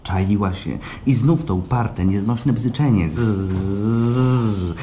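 An actor playing an obsessive, nervous client who confides in a fretful storytelling manner in a live radio play. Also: male voice, on the low side, takes it slowly, dark tone. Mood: agitated. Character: obsessive male client, nervously confessing, eerily elated. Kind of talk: live radio play acting, intimate monologue. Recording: noisy live stage recording.

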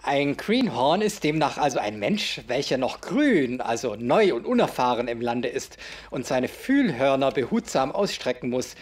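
An eager, polite interviewer with a husky tone and a lively, rising and falling pitch. He sounds keen to understand. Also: moderate pace. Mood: curious. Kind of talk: audio drama acting.

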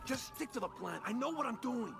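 An actor playing a jittery young criminal in a video game, agitated, stammering and foul-mouthed. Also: male voice, extremely high pitch, animated, fairly quick, vocal fry, full character voice. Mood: panicked. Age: young adult. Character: panicky, jittery young male getaway criminal. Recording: game soundtrack music under the voice.

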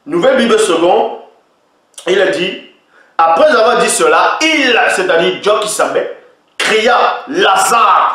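A man's voice: a little high, a bit bright. A man preaching in an emphatic teaching style, often checking that his listeners follow him. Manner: emphatic, repeatedly asks listeners if they follow. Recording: very echoey room, voice far from mic.

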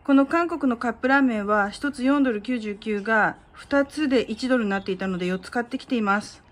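Middle-aged lady doing a casual haul voiceover, kinda high voice, just chatty and matter of fact. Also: fairly quick. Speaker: vlogger. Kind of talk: casual narrated shopping haul.

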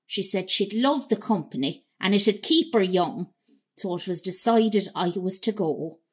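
Wistful irish emigrant woman looking back, radio play monologue, slow and a bit husky. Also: medium pitch. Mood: reflective. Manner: reflective, unhurried storytelling. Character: wistful Irish emigrant woman recalling leaving home at seventeen. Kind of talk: first-person radio drama monologue.

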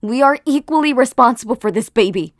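Woman playing high-voiced, commanding demon queen. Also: animated, fairly quick, no echo, clean studio sound, natural voice. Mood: stern fury. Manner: forceful, demanding, dramatic. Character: fierce, commanding demon queen wife, exasperated. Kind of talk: animated comic dub.

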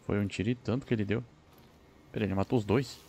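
A man's voice: fairly low pitch, steady tone, quick pace, warm tone, a little hiss or hum. A man commenting on his gameplay, nervous and talking to himself. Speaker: gameplay streamer. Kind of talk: let's play commentary.

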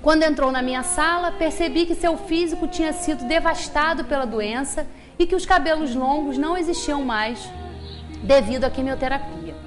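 A woman reads a story to a small audience in a steady, measured way. Her voice sits high, and music plays clearly behind her. She is recorded in a small meeting room by a camera set far back. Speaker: speaker at a spiritist center. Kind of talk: reading a story aloud in a talk.

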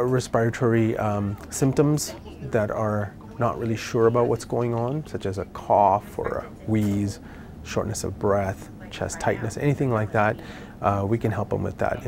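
A middle-aged man explaining his work as a respiratory educator in an interview, phrasing things haltingly. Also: fairly low pitch, gravelly, a little mellow. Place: indoor clinic or pharmacy. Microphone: lapel.

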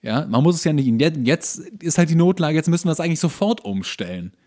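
A man with a slightly high voice co-hosts a casual comedy podcast. He rants conversationally, mixing exasperation with dry sarcasm. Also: big pitch swings, quick pace, warm tone. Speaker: podcast host.

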